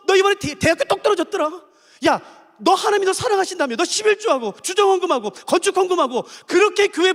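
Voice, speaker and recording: Male pastor putting on a jeering Satan, high and sing-song, church reverb. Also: fairly bright tone. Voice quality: jeering, mocking questions. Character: taunting male Satan, mocking and sneering.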